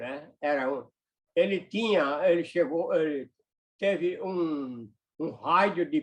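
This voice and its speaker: This is a man speaking. His pace is very slow. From Pernambuco, Brazil (rural interior near Caruaru). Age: 90s. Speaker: retired law professor. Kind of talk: oral history interview. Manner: halting, many repetitions and fillers.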